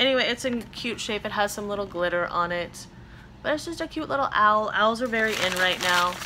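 A woman with an American accent talks at a fairly quick pace over noticeable background noise. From Oregon, US (Portland area). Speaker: online reseller and video blogger; reseller vlogger. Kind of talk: casual unboxing vlog. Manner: rambling, chatty with fillers. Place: home room. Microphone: phone near.

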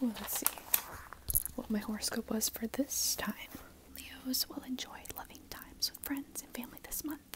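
A woman whispers, leaving long, frequent pauses. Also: moderate pace. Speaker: ASMR creator. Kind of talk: ASMR whisper and soft-spoken talk. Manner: whispered, soft-spoken. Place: home room. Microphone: earbuds.

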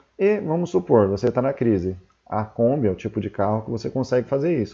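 In a Brazilian accent, a man talks at a very fast pace with lively intonation and a somewhat breathy, dark, mellow tone. The background is quiet. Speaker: YouTuber on transport business. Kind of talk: casual vlog talk to camera. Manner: animated. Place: home room. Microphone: earbuds.

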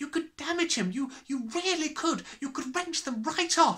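A man does a put-on character voice at an extremely high pitch, talking at a moderate pace. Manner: pleading, distressed.

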